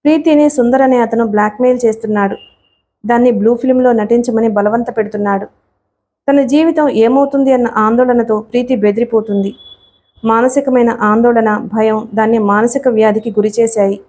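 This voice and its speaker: A woman's voice: on the high side, fairly even intonation, fairly quick, mellow, natural voice. Woman reading as a worried protective father. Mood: earnest. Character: worried middle-aged father, protective and gentle.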